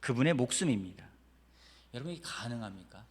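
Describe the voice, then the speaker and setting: A man preaching a Sunday sermon with lively storytelling, moving between quiet and emphatic delivery. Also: mid-range voice, fairly quick, breathy edge. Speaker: pastor. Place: church sanctuary. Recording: church hall reverb.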